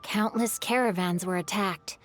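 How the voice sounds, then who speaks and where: A woman voicing a bookish, polite teenage boy in an anime game, measured, articulate and earnest. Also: mid-range voice, soft background music, natural voice. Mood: grave, earnest.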